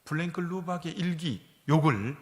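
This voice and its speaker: A male pastor preaches with a storyteller's flair. His fairly high voice leaps around in pitch, dropping hushed and then rising fervent. The sound rings with the long reverb of a church sanctuary. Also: lively intonation, moderate pace. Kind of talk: sermon.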